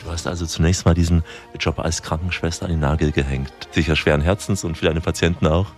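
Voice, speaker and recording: Man, from Saxony, TV reporter, very deep voice, faint music behind. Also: steady tone, fast talker, darkish tone. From Saxony, Germany. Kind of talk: broadcast interview with narration.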